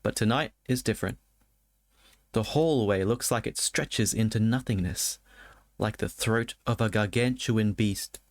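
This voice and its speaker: Low-pitched man hosting a spooky livestream. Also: no room sound, studio quality. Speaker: livestreamer, host of a spooky game stream. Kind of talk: casual livestream chat and reading visual novel text aloud.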